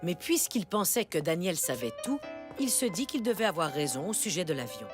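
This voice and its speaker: Woman narrator for a kids cartoon, storybook style, very expressive pitch, music behind. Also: a little fast. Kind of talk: scripted children's storybook narration.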